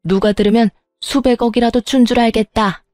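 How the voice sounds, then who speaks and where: A woman's voice: on the high side, steady tone, fairly quick, a little mellow, no echo, clean studio sound, soft background music, close to an everyday voice. A woman voicing a brazen, self-pitying older mother-in-law who stammers and talks back in an indignant tone, in a scripted story. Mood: scornful.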